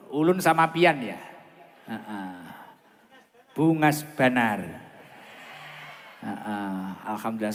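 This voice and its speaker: A man with a Javanese accent preaching informally over a PA at a large gathering, chatting and bantering with the crowd as he repeats phrases. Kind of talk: informal sermon with asides to the crowd. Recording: long booming reverb of an outdoor PA.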